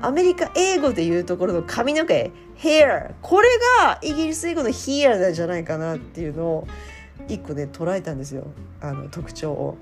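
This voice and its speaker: A woman talks in a loose, chatty way, full of fillers and short laughs. Her pitch swings widely up and down. Soft guitar music plays faintly underneath. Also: lively intonation, a little fast. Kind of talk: casual chat.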